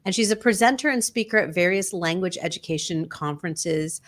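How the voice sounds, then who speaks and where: A woman hosting an interview, introducing her guest haltingly with fillers and self-corrections. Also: fairly low pitch. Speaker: host.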